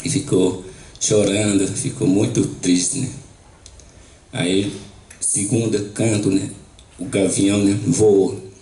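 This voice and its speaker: A man whose first language is Maxakali, an indigenous teacher on a panel, retelling a traditional story in a slow, halting way, tagging most phrases with a question. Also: fairly low pitch, flat delivery, warm tone. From Brazil. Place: university lecture hall. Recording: echoey hall.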